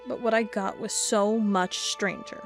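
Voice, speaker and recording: A woman acts out a stubborn, driven investigator of strange creatures. She speaks with dramatic, expressive intensity at an average pitch, as in an audio drama. Soft music sits behind her voice. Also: measured pace, lightly acted. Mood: awed, uneasy. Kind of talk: audio drama narration and dialogue.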